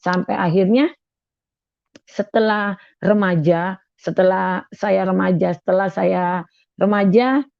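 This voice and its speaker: A woman's voice: mid-range voice, fairly even intonation, slow, vocal fry, pauses often, dry recording. A young woman from Madura giving an earnest personal faith testimony, often repeating her phrases as she recounts. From Madura, Indonesia. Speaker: testimony speaker. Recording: dull, dry lo-fi recording.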